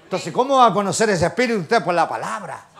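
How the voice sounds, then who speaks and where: An older man with a Chilean accent preaching a fervent sermon, swinging from quiet asides to shouted exclamations and firing rhetorical questions at the congregation. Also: sits high, expressive, quick pace. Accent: Chilean Spanish. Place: church service.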